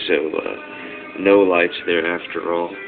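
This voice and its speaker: Music runs beneath the recording. Over it, a man speaks at a moderate pace. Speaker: hobbyist model builder. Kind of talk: casual talk to camera.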